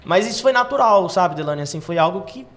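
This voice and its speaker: Fast-talking young man, high voice. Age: young adult. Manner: fast, animated, uses slang fillers like "cara". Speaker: son in the family business, guest. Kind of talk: casual interview talk.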